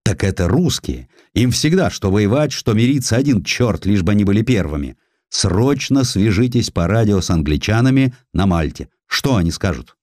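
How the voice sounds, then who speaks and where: Guy doing a fed-up french admiral in an audiobook, irritable, low voice that jumps around. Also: expressive, normal speed, darkish tone, no echo, studio quality. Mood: irritated, brusque. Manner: imploring, irritable. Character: exasperated, impatient French admiral demanding answers. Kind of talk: audiobook character acting.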